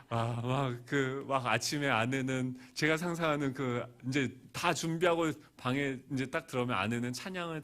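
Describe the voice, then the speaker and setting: A middle-aged male pastor preaching a storytelling sermon, swinging from hushed asides to loud, animated bursts. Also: medium pitch.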